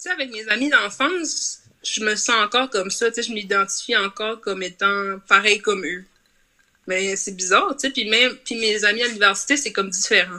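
Using a normal speaking voice, a woman talks at a moderate pace with fairly high pitch, ordinary pitch variation and big swings in loudness. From New Brunswick, Canada (Acadian region near Quebec and Maine). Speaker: cook and food vlogger. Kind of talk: interview. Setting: video call.

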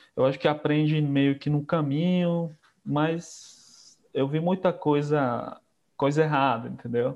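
A man with a slight Spanish accent, fairly high in pitch, at a fairly slow pace against a quiet background. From Bolivia. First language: Spanish (speaking Portuguese). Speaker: orthopedic surgeon. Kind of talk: casual interview.

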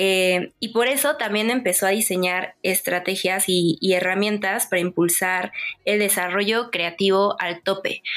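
Speaking at a fairly slow pace, a woman uses an ordinary speaking voice with ordinary pitch variation and very even loudness. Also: medium pitch for a woman. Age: 20s. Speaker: designer. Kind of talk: casual chat.

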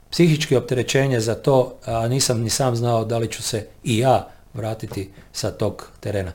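There's a dark, mellow quality to this man's voice, and it comes across somewhat breathy. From Croatia, Ogulin (Gorski kotar). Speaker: war veteran. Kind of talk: interview. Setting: studio.

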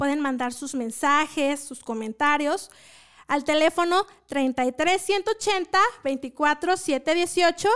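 A woman talks very slowly at a high pitch with ordinary pitch variation. The sound is dry and close with no echo, a very clean recording over a silent background. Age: 30s. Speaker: radio host and early childhood educator. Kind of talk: live radio talk show. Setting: radio studio, live.

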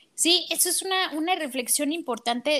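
In a very clean recording with a silent background, a woman with a Mexican accent has a bright, sharp tone. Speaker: podcast host. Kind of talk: interview conversation.

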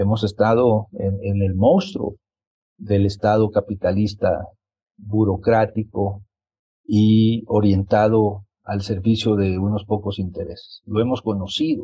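Speaking at a very slow pace, a man holds a fairly low pitch in a monotone, flat delivery. His voice is somewhat breathy. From El Salvador. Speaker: exiled left-wing politician. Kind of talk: interview.

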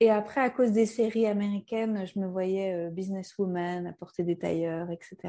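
A woman with a medium pitch and a dark, mellow tone talks at a fairly quick pace with hardly any pauses and fairly even intonation. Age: 30s. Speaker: coach and therapist. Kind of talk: interview.

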